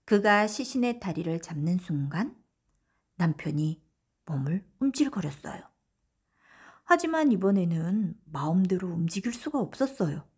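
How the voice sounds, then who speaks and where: Female audiobook narrator, lowish and husky, gentle bedtime folktale storytelling with hushed phrase endings. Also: big pitch swings, moderate pace.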